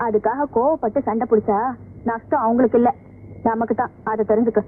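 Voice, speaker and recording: An actress playing a poor village woman who gently scolds and coaxes her younger brother to eat. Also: a little high, steady tone, brisk, natural voice. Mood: coaxing. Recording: tinny old film soundtrack with music.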